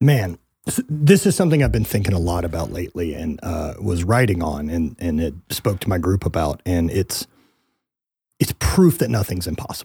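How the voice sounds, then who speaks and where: A man's very deep, low voice, dark and mellow and somewhat breathy, with lively intonation at a moderate pace on a very clean recording with a silent background. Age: 30s. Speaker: Highland Games athlete and entrepreneur. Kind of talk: casual chat.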